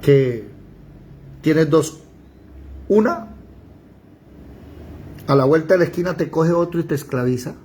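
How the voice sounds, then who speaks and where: A man teaching a Bible study, firing rhetorical questions and breaking into shouted pleas. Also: a little high, unhurried, long pauses, a little hiss or hum.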